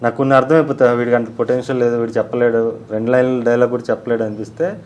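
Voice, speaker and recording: A man's voice: mid-range voice, flat delivery, rapid-fire, a little mellow. A man, a film director and actor, answering interview questions in a blunt, self-assured and emphatic way.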